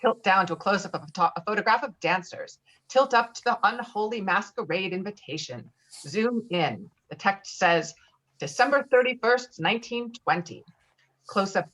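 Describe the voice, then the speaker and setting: A woman's voice: medium pitch, a bit bright, rough recording. A woman reading screenplay directions aloud at a table read in clipped, descriptive phrases. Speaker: stage directions reader.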